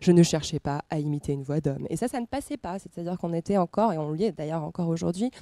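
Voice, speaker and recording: A woman's dark, mellow voice, fairly low in pitch, with lively intonation and a dry, close sound with no echo. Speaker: journalist and podcast host. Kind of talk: masterclass talk. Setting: stage with audience. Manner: many hesitations (euh).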